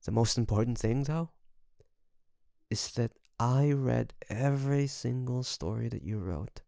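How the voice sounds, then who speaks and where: A man playing an obsessive, doting kidnapper best friend in an intimate audio roleplay, creaky, coaxing and teasing with soft menace. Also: mid-range voice, dry recording, clean studio sound. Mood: smug, teasing. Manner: softly menacing, coaxing, teasing, with drawn-out phrases.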